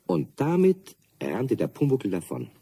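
A man narrating a children's radio play as a calm storyteller with a husky voice. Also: medium pitch, measured pace, full character voice. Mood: storytelling.

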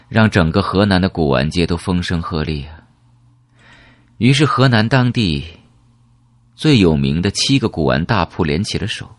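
A man voicing a calm, secretive elderly woman who reminisces in a measured, wistful way in an audiobook. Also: sits low, no echo, exaggerated voice. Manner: slow, measured, reminiscing with rhetorical questions.

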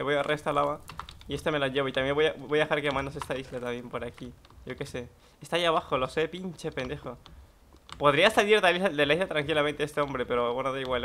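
Excitable young man with a bright voice. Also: fairly high pitch, a little hiss or hum. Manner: excitable, swears, bursts into shouts. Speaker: gaming YouTuber. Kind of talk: live gameplay commentary.

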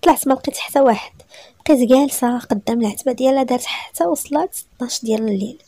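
A woman storyteller with a Moroccan Arabic accent tells a first-person story at a rapid clip. Her voice is gravelly and dark with a slightly high pitch, and the sound is dry and close. She tells it in an emotional, breathless way. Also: no echo.

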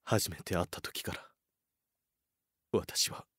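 A man playing a reserved, lovelorn gentleman in a romantic anime style, soft, earnest and polite. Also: slow pace, dry recording, clean studio sound. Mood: tender, regretful. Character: reserved, lovelorn gentleman confessing hidden love.

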